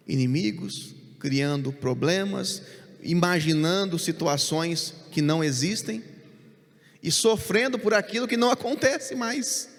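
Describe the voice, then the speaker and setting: A man preaching a sermon as pastor, earnest, rushing through some phrases and slowing right down on others for emphasis. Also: high-pitched. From Brazil. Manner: earnest preaching, quick bursts then slow emphatic phrases. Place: church hall. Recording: church hall reverb.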